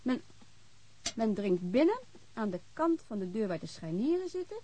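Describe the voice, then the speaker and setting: An actress playing a lively, eager lover of detective novels in a radio drama, chatty and excitable. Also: female voice, mid-range voice, moderate pace, slight background noise, lightly acted. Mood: eager, explaining. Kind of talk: naturalistic Dutch radio drama acting.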